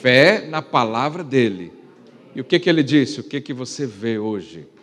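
A man preaching a sermon, firing rhetorical questions and swinging from quiet to loud. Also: medium pitch, expressive, unhurried. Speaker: pastor. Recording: long reverb of a church hall.

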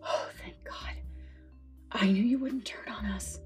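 A woman's voice: mid-range voice, measured pace, a little mellow, whispered, soft background music, natural voice. A woman playing a fearful, pleading librarian in a noir audio drama. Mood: relieved whisper.

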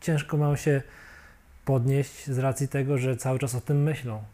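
A man's voice: mid-range voice, steady tone, a little fast, warm tone. A man interviewing a guest in a casual chat, summing up his points and asking for agreement.

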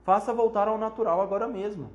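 A man voicing a shrill, panicking middle-aged mother in a storybook reading. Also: steady tone, fast, reverberant, highs cut off, natural voice. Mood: frantic. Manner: shrieking, frantic.

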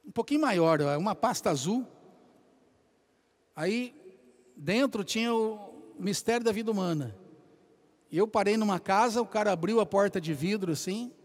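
A man preaching a sermon, telling lively stories and calling out to the congregation as brothers. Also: sits high, moderate pace, pauses often. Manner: animated storytelling, addresses congregation as brothers.

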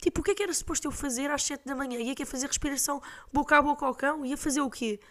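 Portuguese woman ranting on her podcast, high voice, blunt and fed up, swears a lot. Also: very fast. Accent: European Portuguese. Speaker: podcast host. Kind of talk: casual storytelling monologue.

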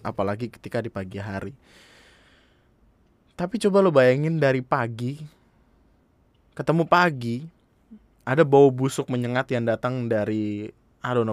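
A man's voice: mid-range voice, no room sound. A young man, earnestly commenting in a casual monologue, speaking straight to his listeners. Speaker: podcast host.

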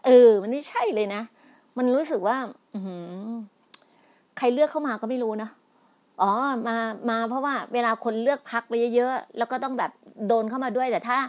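A middle-aged woman speaking in a heated political monologue, scolding and pleading by turns, with many restarts and repetitions. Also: medium pitch. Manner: emphatic, scolding, repeats herself with many restarts; polite particles, pleading then indignant.

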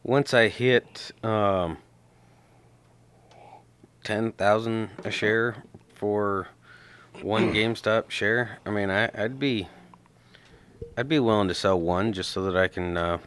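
A man co-hosting a podcast with a deep voice, chatting casually and teasing his partner. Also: slow, pauses often, a bit bright, a little hiss or hum. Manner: joking, teasing banter. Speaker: podcast co-host. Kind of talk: casual chat about stocks.

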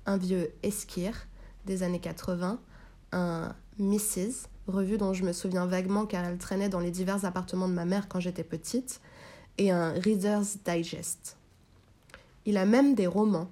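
A woman reading a novel aloud in the first person, with a measured, even delivery. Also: on the low side. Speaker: reader.

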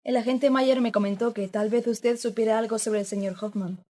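A woman's voice: a little high, fairly even intonation, fairly quick, warm tone, close to an everyday voice. A woman playing a curious, persistent young journalist who asks polite questions. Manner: inquisitive, polite. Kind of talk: radio drama acting.

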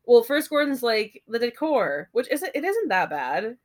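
A woman's voice: on the high side, big pitch swings, normal speed. A woman co-hosting a casual podcast, recapping a TV episode with giggles and lots of fillers. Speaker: podcast co-host. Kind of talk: casual chat.

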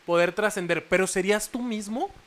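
A man's voice: high-pitched, fairly quick. A man with a Mexican accent in a casual podcast chat, steering the talk and raising curious ideas. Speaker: podcast co-host.

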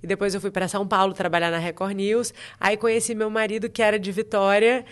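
A smooth, clear-voiced woman, talking freely as a podcast guest. She speaks at a middle pitch for a woman and tells stories in a chatty, lively way, laughing easily. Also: brisk. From Brazil, grew up in Espírito Santo. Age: 30s. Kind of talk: casual interview chat.

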